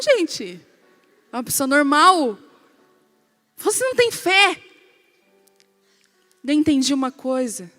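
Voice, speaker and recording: Brazilian lady pastor preaching, high voice, lots of hall reverb, chatty storytelling with the crowd. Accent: Brazilian Portuguese. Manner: animated storytelling, addresses the congregation directly. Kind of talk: sermon.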